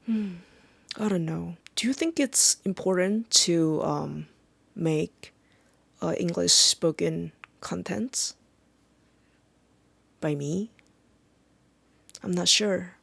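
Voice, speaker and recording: A Korean-accented speaker, a native Korean speaker, talking in a halting, reflective vlog monologue and often pausing to search for words. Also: medium pitch, creaky, a bit bright, no room sound. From South Korea. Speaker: vlogger.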